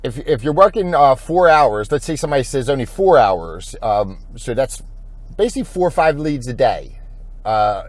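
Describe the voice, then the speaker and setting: A man's voice: mid-range voice, very animated, dry recording. Rambling man giving informal corporate training. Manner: rambling, thinking aloud, halting. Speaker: insurance agent giving training.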